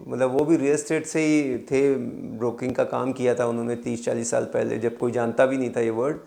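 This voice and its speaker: A man, telling a lively story as a real estate coach and acting out both sides of phone calls. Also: medium pitch, vocal fry. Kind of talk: storytelling monologue. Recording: echoey room.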